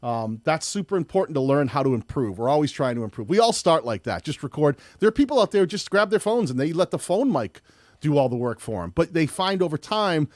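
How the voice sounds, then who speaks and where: A man with a loud voice hosting a live-streamed tutorial, chatty and rambling with frequent restarts. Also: on the high side, big pitch swings, fairly quick, no room sound, clean studio sound. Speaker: host.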